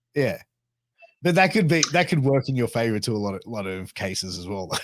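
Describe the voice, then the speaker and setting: A man with an Australian accent, medium in pitch, at a fairly quick pace, with very wide pitch swings. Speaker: podcast host. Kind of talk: casual interview. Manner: fast, filler-heavy.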